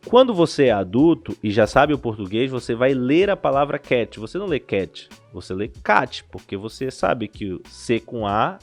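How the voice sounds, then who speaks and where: A man from Brazil talks in an animated, explanatory way, often stopping to restart a thought. His voice sits at a middle pitch and is picked up on a close podcast mic, with soft music behind him. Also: moderate pace, few pauses. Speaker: language school director, podcast guest. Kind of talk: casual explanatory interview talk.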